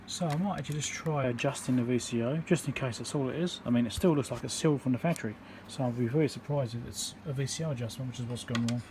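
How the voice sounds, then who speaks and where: A medium-pitched man talks his way through repairing electronics by hand at an indoor bench, informal and hesitant as he works step by step. The audio carries a steady hum and ambient room noise.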